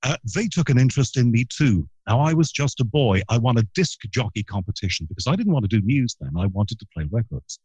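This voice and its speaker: A middle-aged radio broadcaster from Liverpool with a trained neutral English accent tells long, rambling stories with plenty of asides in a guest interview. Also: male voice, medium pitch, big pitch swings, quick pace, few pauses, a little mellow, breathy edge, no echo. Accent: neutral southern English broadcast accent. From Liverpool, England. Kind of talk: anecdotal interview storytelling.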